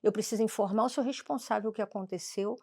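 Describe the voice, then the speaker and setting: A woman's voice: medium pitch, fast talker, gravelly, a little mellow. A woman with a Brazilian Portuguese accent, a former school principal, telling a story in conversation and acting out the dialogue with shifting voices.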